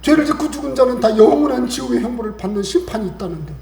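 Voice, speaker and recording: In an echoey church room with a faint hiss, a man delivers a conversational Sunday sermon, racing along in a very high, gravelly voice with a darkish tone and lively intonation. This pastor quotes scripture and plays out small exchanges.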